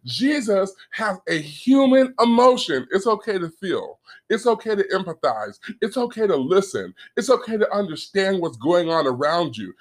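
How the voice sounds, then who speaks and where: A man preaching an earnest sermon, reading scripture slowly, repeating words as he builds a point and talking straight to his listeners. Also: sits high. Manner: reads scripture slowly and deliberately; addresses listeners directly and conversationally.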